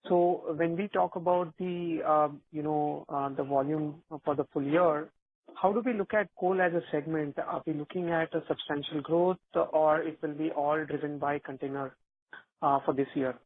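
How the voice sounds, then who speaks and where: A man's voice: fairly high pitch, fairly even intonation, normal speed. A man, an analyst, asking polite, hesitant questions on an earnings call. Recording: tinny conference phone line.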